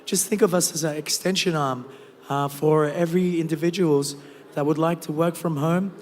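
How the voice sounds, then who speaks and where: A hoarse man giving a halting guest talk on stage, with many fillers. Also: fairly high pitch, fairly even intonation, a little mellow. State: hoarse, lost his voice. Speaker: guest speaker. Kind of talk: stage speech. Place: large event hall. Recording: long hall reverb.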